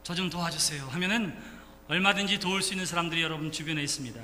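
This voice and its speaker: High-pitched guy pastor doing a kids sermon, playful, big echoey church hall. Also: very fast, pushed and bright. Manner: playful, coaxing, calls children by name. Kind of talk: children's sermon with a live demonstration. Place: church sanctuary. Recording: reverberant hall, faint room noise.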